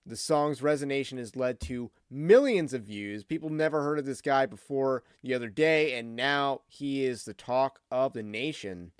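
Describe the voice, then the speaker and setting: A man giving informal opinion commentary as a channel host, speaking in a halting, hesitant way. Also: medium pitch, clear, resonant tone, no room sound, clean studio sound.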